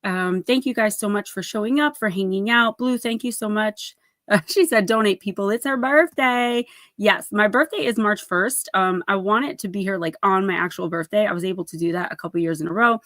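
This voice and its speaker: A woman's voice: mid-range voice, a bit bright, no room sound. A woman in her early forties hosting a casual livestream, chatting effusively and greeting viewers with endearments. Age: early 40s. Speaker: livestream host and oracle card reader.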